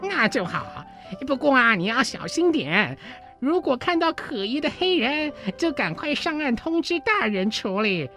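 A woman's voice: sits high, big pitch swings, a little slow, sharp tone, faint music behind, heavily acted. A woman voicing a stern armed grown man who questions a boy, in a children's storybook reading.

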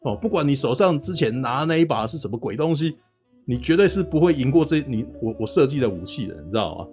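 A smug, bragging mad scientist, put on by a man retelling a story, with a quick, lively delivery that swings up and down as he boasts. He sounds pleased with himself and talks fast. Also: mid-range voice, soft background music, lightly acted. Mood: boastful.

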